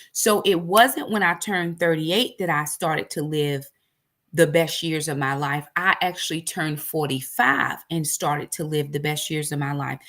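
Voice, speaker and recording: A woman's voice: fairly low pitch, fairly bright tone. A woman, telling a personal faith story in an emphatic, preacherly way, full of repetition. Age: 40s. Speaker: ministry host. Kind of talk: personal testimony.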